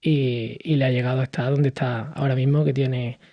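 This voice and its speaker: A man from Cádiz in his thirties, speaking as a podcast guest in a lively conversational way, with frequent fillers and restarts. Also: mid-range voice, normal speed, no room sound, highs cut off. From southern Spain, Cádiz. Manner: animated storytelling with many fillers and restarts. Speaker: podcast guest, hospitality entrepreneur. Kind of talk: conversational interview.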